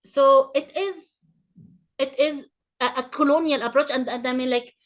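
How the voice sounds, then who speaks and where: A woman panelist speaking off the cuff, hesitant and full of fillers yet impassioned. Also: a little high. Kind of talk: unscripted panel remarks.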